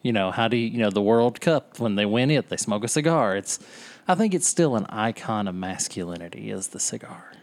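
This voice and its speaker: A man's voice: lowish voice, animated, a little fast. Rambling joking man in his forties. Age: 40s. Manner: rambling, jokey, self-deprecating. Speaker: podcast host. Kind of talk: casual chat.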